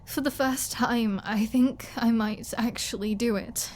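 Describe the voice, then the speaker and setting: Woman acting as a slow-talking flirty starving vampire woman. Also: fairly high pitch, steady tone, darkish tone, a little hiss or hum, natural voice. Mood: hungry, pleading. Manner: breathy asides, halting, teasing and pleading. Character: flirty, starving female vampire, captive, teasing yet desperate. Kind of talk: ASMR roleplay audio drama.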